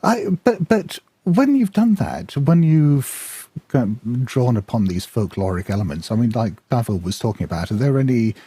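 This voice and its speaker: Male panel moderator, husky and mellow, low-pitched, relaxed questioning. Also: normal speed, hardly any pauses, no room sound. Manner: relaxed, asks questions, brief agreements.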